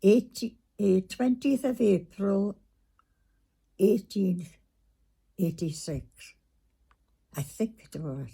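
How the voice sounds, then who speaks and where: A woman's voice: mid-range voice, expressive, takes it slowly, vocal fry, long pauses, warm tone, breathy edge. An elderly woman from north-east Scotland with a Doric accent, reminiscing in an informal interview with brief, plain-spoken answers. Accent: north-east Scottish Doric.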